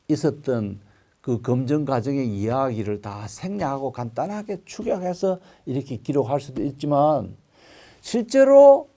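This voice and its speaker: An older male pastor preaching a sermon, telling stories with sudden loud, emphatic swells. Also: mid-range voice.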